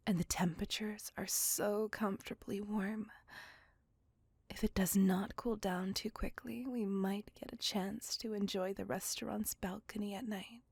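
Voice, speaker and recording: A woman voicing a courteous, possessive female vampire on a date, speaking in a soft, formal and reassuring whisper. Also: medium pitch, vocal fry, husky, dry recording, exaggerated voice. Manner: formal, slow, intimate and reassuring. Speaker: voice actor. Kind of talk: ASMR roleplay.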